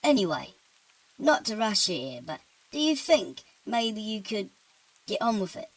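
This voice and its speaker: A woman voicing a tired, sardonic male demon with a British accent, deadpan and offhand. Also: mid-range voice, unhurried, breathy edge, no echo, poor audio.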